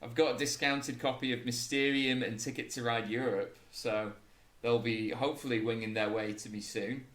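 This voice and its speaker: A man's voice: mid-range voice, steady tone, normal speed, a bit bright, reverberant. A man co-hosting a gaming podcast in casual chat, laughing often and restarting his sentences. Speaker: podcast co-host.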